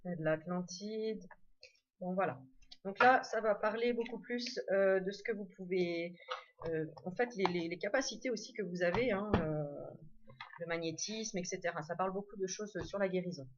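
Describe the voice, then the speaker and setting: A woman's voice: medium pitch, moderate pace, dull audio, noisy background. A woman casually showing her tarot and oracle card decks, chatty, with many fillers and restarts. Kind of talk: casual show-and-tell.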